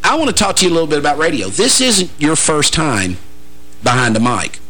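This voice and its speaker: A man, hosting a radio interview in a teasing, joking way with halting restarts. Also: on the high side, big pitch swings, sharp tone. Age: 40s. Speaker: radio show host. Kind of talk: casual interview chat.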